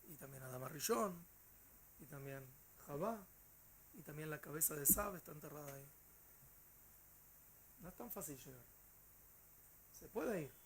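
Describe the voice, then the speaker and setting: A male teacher with a Rioplatense Spanish accent, telling a story to his class in an animated way with hesitant fillers. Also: fairly high pitch, normal speed, pauses often, a little hiss or hum.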